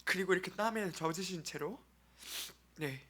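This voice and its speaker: A man from South Korea presenting an earnest mission-trip testimony to a congregation as a church member, speaking haltingly with pauses. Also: high-pitched, sharp tone, husky.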